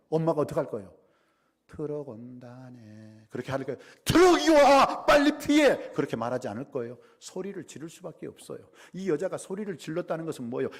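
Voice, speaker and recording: A husky middle-aged man delivers a lively sermon. He acts out the people in his story, bursting into shouts before dropping to quiet asides. His voice sits at an ordinary pitch for a man. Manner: animated preaching, shouting out dramatized quotes then dropping low. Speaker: pastor.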